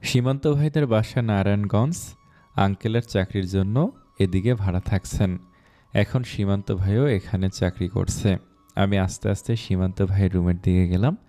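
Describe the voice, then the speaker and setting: A man reads a first-person romance aloud in a scripted, heartfelt storytelling style. His voice is low and mellow, and soft music plays faintly underneath. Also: moderate pace. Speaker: narrator.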